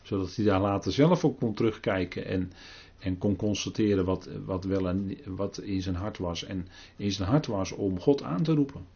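An older man giving a halting Bible talk, full of pauses and restarts. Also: low voice, mellow, slightly rough, lo-fi sound. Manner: halting, many fillers and restarts. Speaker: preacher.

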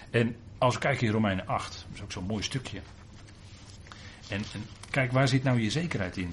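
A male preacher delivering a sermon in a somewhat low voice. He talks earnestly and leans hard on key words, his pitch leaping up to stress them. A faint hiss of noise sits under the recording. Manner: earnest, emphatic, rises sharply on key words.

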